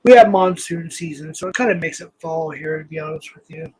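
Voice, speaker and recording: A man hosting a casual livestream, hoarse and losing his voice, rambling and reading the chat aloud. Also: a little high, fairly quick, rough recording. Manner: rambling, reads chat aloud, frequent ums. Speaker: livestream host.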